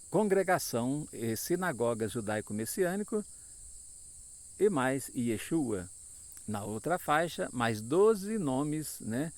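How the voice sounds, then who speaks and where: A man preaching a sermon, speaking slowly and with emphasis, often asking listeners for an amen. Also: mid-range voice, no echo.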